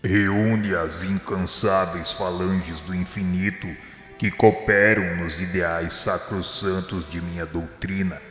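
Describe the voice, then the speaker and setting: In a big reverberant space, a man acting as a merciful divine master speaks with a very low, bright voice. He declaims solemnly, as in a religious radio play, over music. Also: full character voice. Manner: solemn, measured, exalted declamation. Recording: echoey hall-like reverb with music.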